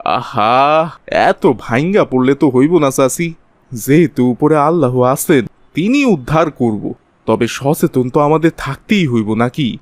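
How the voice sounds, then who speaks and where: A man's voice: medium pitch, lively intonation, a little slow, no room sound, lightly acted. A man playing a scheming city profiteer in a cartoon, with a Bangladeshi accent and a wheedling, colloquial, exaggerated way of talking. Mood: persuasive. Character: scheming city man, sly profiteer spreading virus panic. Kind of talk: Bengali cartoon voice acting.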